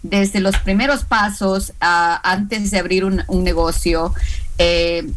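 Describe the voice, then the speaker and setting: Woman with a Hispanic accent, halting. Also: lowish voice, steady tone, rough recording. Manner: hesitant, many fillers and restarts. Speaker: small business credit instructor. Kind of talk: radio and live stream interview guest.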